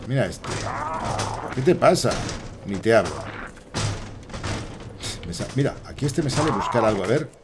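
Excitable, swearing Spanish man streamer. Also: medium pitch, normal speed, pauses often, heavy background noise. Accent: Spain Spanish. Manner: profane, excitable outbursts, talks to enemies and chat. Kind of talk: live gameplay commentary.

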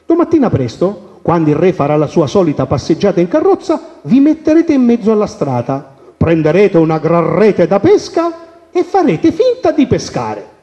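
A wise and gentle queen speaks in a calm, soothing way, voiced by a male storyteller. The voice is mellow and warm, with a lively rise and fall. It comes through a dull, lo-fi radio recording with a long reverb. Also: sits high, moderate pace. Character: clever gentle queen, a woman.

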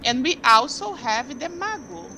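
A woman's voice: sits high, sing-song, measured pace, sharp tone, slight background noise. A young woman from Brazil, tutoring on a headset over a video call and asking patient, curious questions. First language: Portuguese. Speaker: language tutor. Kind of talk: online tutoring session.

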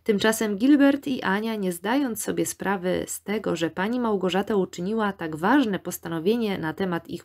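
A woman reading an audiobook, in calm, measured scripted narration. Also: on the low side, gravelly. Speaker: audiobook reader.

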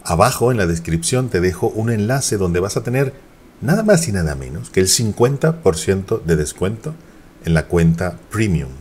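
A man hosting a video, chatting casually and quickly while demoing an app, laughing now and then. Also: deep voice, very animated, darkish tone, slightly rough. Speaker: tech YouTuber. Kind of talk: casual sponsored app demo.

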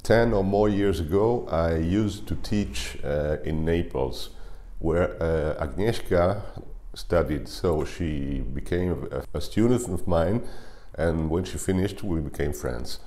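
A man in his sixties with a very low, dark, mellow voice. He is a native French speaker who teaches Arabic, answering viewer questions from his living-room sofa. He talks in a measured way, pausing often on small fillers. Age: 60s. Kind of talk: seated to-camera Q&A answers.

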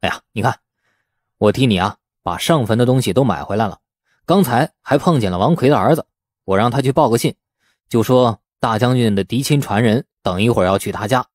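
A man as a dismissive village father, animated. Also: medium pitch, a little fast, no echo, clean studio sound, close to an everyday voice. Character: dismissive village father, middle-aged, traditional.

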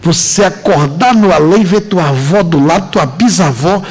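A man with a Brazilian Portuguese accent giving a lecture to an audience in an auditorium, emphatic and joking, with drawn-out dramatic pauses. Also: high voice, husky, low-quality recording. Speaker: seminar lecturer. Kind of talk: lively lecture to a live audience.

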